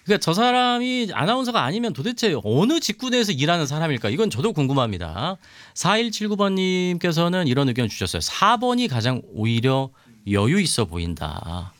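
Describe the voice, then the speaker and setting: A man hosting a live show, reading viewer comments and running a pronunciation game in a chatty, animated way. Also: fairly high pitch, fairly quick, no room sound. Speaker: show host. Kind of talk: lively live-stream hosting.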